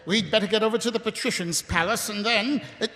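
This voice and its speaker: A man's voice: high voice, fairly quick, a bit bright. A man playing a weary, sardonic middle-aged watch captain in live audio theatre, rambling and wry. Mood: exasperated. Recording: echoey live stage hall, music behind.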